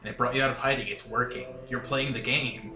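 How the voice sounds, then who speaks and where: A man's voice: mid-range voice, fairly even intonation, brisk, creaky, bright, forceful tone. A man playing a tabletop game, chatting and bantering casually with the table. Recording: roomy echo with music behind.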